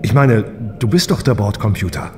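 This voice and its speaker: An actor playing an easygoing, dutiful test pilot and older brother in an audio drama, casual and thoughtful. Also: male voice, on the low side, expressive, normal speed, background noise, natural voice.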